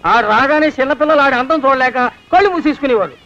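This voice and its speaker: Brief: cheeky servant, quick jokes at the master; high sharp voice, dull old film sound. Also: male voice, heavily acted. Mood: teasing. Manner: teasing, wisecracking. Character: cheeky male servant with a bicycle. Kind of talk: film comedy dialogue.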